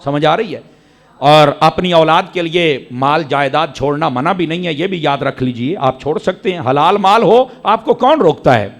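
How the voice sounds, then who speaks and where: A man with a Pakistani Punjabi accent delivering a Friday sermon, swinging between hushed asides and rising exclamations. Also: fairly high pitch. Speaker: mufti, Friday preacher.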